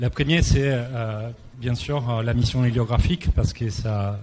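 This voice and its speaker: Speaking at a fairly slow pace, a man with a medium-pitched, somewhat breathy voice and a dark, mellow tone uses ordinary pitch variation. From Italy. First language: Italian (speaking French). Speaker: photographer. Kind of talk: panel discussion. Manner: halting, many hesitations.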